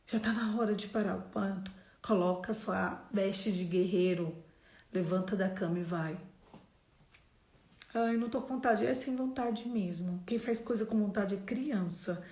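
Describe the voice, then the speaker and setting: A Brazilian woman leading a devotional, preaching with emphatic, exhortative drive and sudden loud bursts. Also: medium pitch, normal speed. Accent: Brazilian Portuguese. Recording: echoey room.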